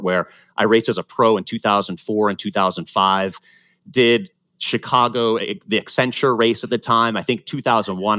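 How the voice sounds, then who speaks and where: Earnest, reflective man, low voice. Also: a bit bright, no room sound. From Ohio, USA, born in Ecuador. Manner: earnest, reflective, frequent restarts. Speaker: guest, former pro triathlete. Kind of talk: casual interview storytelling.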